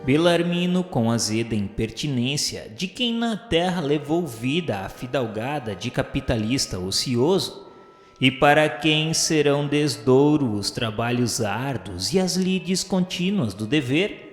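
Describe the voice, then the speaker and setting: A man's voice: medium pitch, expressive, measured pace. A man narrating a radio drama in a formal, literary storytelling manner. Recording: echoey hall with background music.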